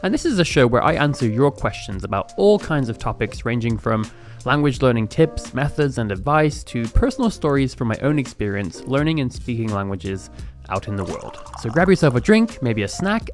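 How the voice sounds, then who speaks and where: A man's voice: mid-range voice, sing-song, normal speed, soft background music. A young adult man hosting a podcast, talking in a reflective, chatty way, with plenty of fillers and restarts. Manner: reflective, chatty, lots of fillers and self-corrections. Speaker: podcast host. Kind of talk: relaxed podcast monologue.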